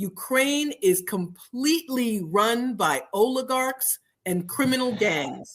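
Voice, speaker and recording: The speech comes at a very slow pace in an American accent. The pitch swings very widely. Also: woman, high pitch for a woman. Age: 60s. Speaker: political commentator. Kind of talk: interview discussion.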